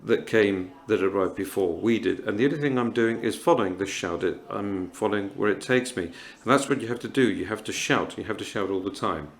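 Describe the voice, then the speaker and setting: A man in his fifties from Morocco, speaking at a writers' panel in a halting, earnest way, with many pauses and fillers. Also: on the low side, vocal fry. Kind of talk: reflective festival panel talk.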